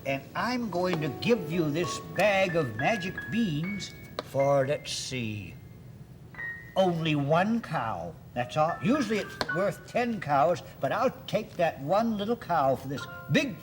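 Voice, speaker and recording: A man voicing a sly old male peddler with coaxing, sing-song sales patter, over music. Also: on the high side.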